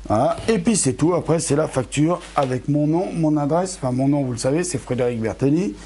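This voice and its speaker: Unboxing astronomy equipment for his YouTube channel, a middle-aged man chats directly with viewers in a fairly high, dark-toned voice that moves fairly quickly. He seems a little tired, his voice fading, and he keeps correcting himself; slight background noise is present.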